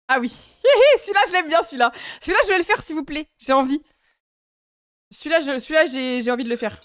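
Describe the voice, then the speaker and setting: A young woman streamer with a high, bright voice chats with her viewers in a loose, giggly way, breaking off often to react and laugh. The sound is dry and close, with no room around it. She is from France. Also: dry recording. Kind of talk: casual live-stream chat.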